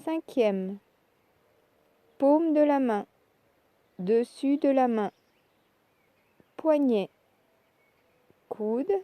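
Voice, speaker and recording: Woman, fairly high pitch, very slow, calm guided meditation, short measured phrases, close dry sound. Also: dry recording. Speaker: yoga nidra relaxation instructor. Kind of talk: guided meditation, soft instructional narration.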